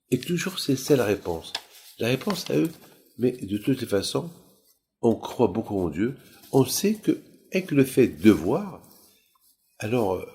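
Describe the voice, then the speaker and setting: A middle-aged man with a deep voice and a Moroccan accent speaks as a rabbi sharing a religious story. His delivery is informal and halting. He often repeats short phrases to drive them home. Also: a little mellow, slight background noise.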